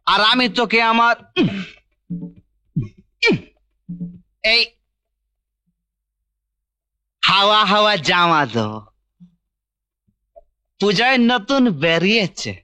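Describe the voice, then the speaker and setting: A belligerent drunk husband in a comic film. His voice is very high and sharp, swinging up and down as he rambles, taunts and pleads like a silly child. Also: clean tone, exaggerated voice. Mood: slurry bargaining. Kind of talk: broad comic film acting.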